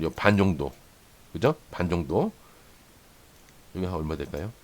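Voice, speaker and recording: Low-voiced man explaining stock charts. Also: a little mellow. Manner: explanatory, points along a chart with many "here" and "this much"; repeats phrases for emphasis, asks "right?" often. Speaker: stock trading channel host. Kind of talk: chart-analysis lesson for day traders.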